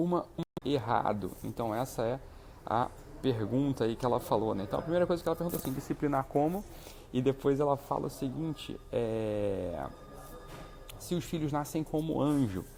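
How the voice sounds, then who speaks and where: Soft-spoken, a man at medium pitch uses lively intonation at a moderate pace, with long, frequent pauses and noticeable background noise. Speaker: psychiatrist and family advice host. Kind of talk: live stream talk. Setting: restaurant, live stream.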